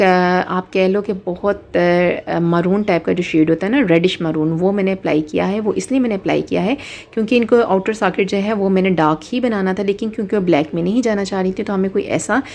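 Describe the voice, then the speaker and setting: Gravelly, mellow-voiced woman teaching makeup. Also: mid-range voice, fairly quick. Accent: Pakistani Urdu. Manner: explanatory, repeats and rephrases with fillers. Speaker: makeup artist. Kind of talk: step-by-step makeup tutorial.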